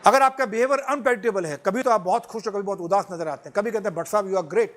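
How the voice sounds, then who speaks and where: A middle-aged man giving a lively motivational lecture to students, often chuckling and slipping into English phrases. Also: sits high, rapid-fire. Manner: animated, chuckling, switches freely into English phrases.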